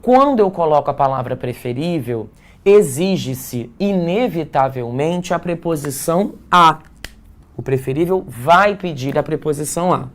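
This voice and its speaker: A man's voice: fairly high pitch, lively intonation, unhurried. A man with a Brazilian accent teaching a live exam-prep grammar class, explaining step by step and checking in with his students. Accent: Brazilian Portuguese. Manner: explanatory, frequent check-ins like "certo?" and "tá?".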